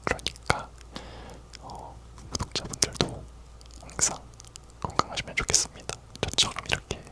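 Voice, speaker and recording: A person whispering a casual, rambling ASMR chat in a soft, unvoiced whisper. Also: normal speed, poor audio. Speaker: ASMR video creator.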